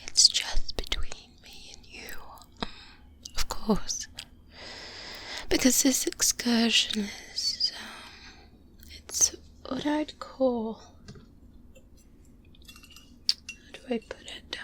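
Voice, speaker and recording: Slow whispering vampire hunter mentor played by a woman. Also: on the high side, animated, full character voice. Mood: friendly, secretive. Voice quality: soft, breathy whisper. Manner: slow, hesitant pauses, intimate. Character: seasoned rule-breaking vampire hunter mentor, confident and wary. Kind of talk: soft-spoken ASMR roleplay. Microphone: close-up binaural microphone.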